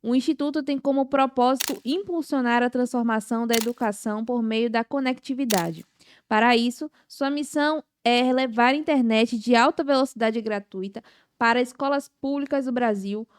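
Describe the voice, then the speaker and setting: She is a Brazilian woman in her twenties with a fairly high voice. She speaks as a podcast host in a conversational interview style. The sound is very dry, with almost no room on it. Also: normal speed, clean tone, dry recording. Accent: Brazilian Portuguese. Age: 20s.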